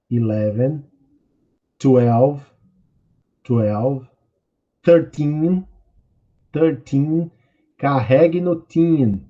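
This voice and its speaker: A man from Brazil teaching an online English class, slow and patient, drilling words for students to repeat. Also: medium pitch, mellow, breathy edge. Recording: dull lo-fi audio.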